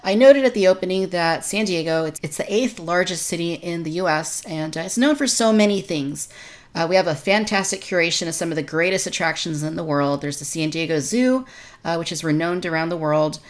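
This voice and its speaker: A woman with a low voice hosts a conversational podcast. She is from Texas and talks through the discussion as its host. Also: fairly quick. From Texas, United States.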